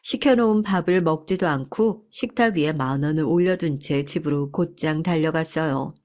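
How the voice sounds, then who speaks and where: A woman narrating a first-person life story in a calm, reflective, scripted manner. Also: deep voice, moderate pace.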